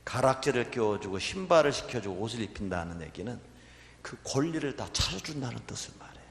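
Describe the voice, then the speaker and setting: A man, a Catholic priest, giving a retreat sermon as a dramatic story that swings between shouting and whispering. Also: mid-range voice, sing-song, brisk. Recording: echoey hall with long reverb.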